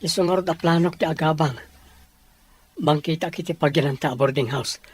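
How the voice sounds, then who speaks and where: A man's voice: fairly high pitch, brisk, husky. An actor playing a lovesick, stubborn young man in a radio drama, emotional and insistent. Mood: pleading.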